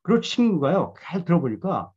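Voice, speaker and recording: A man's voice: on the high side, very animated, a little fast, darkish tone, slightly rough, dull audio. A man giving a Bible lecture in a conversational, storytelling way, admitting his own past mistakes. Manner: conversational, self-deprecating storytelling.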